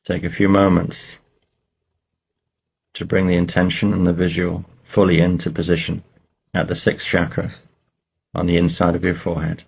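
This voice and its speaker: A man leading a guided meditation, giving slow, measured instructions with pauses between phrases. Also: low-pitched, monotone, vocal fry, darkish tone, slightly rough, highs cut off.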